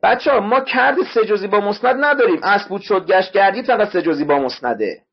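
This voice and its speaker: Man teaching a literature class online, a bit husky, drills words and spellings over a muffled lo-fi mic. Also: high-pitched, animated. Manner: explains word by word, repeats spellings to students. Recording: dull lo-fi online class audio.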